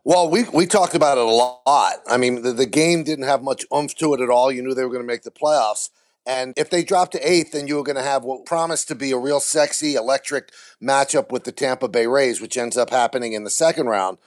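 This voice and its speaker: Man, mid-pitched voice, interview guest, candid, blunt, vivid comparisons. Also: a little fast. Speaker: baseball TV play-by-play announcer, guest.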